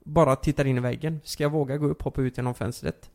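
A man's voice: mid-range voice, fairly even intonation, a little mellow. A young man telling a personal story in a casual chat, rambling with lots of fillers and restarts.

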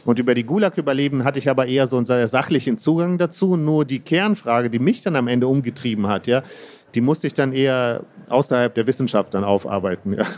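A man from Kazakhstan speaks as an interviewed author, mid-pitched and measured. He weighs his words, pausing on fillers and restarting sentences as he thinks. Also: a little mellow. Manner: thoughtful, hesitant, many fillers and restarts. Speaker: author guest. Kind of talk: interview answers.

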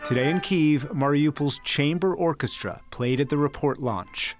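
A man, a news correspondent, narrating a scripted TV news report in a measured, even way. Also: fairly high pitch, over music.

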